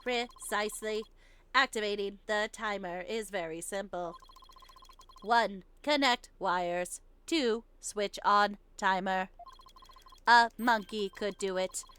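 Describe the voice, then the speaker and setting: A woman's voice: mid-range voice, slow pace, clean tone. A woman voicing a terse, detached male bomb disposal expert in a robotic, stilted way for a game read-aloud, with clipped phrases. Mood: detached, condescending. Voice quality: robotic, flat, stilted delivery. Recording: game music behind the voice.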